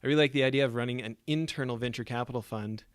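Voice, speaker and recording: Man, podcast host, casual interviewer, smooth resonant voice, dry sound. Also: mid-range voice, racing, dry recording. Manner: casual, filler-heavy questions. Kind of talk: interview conversation.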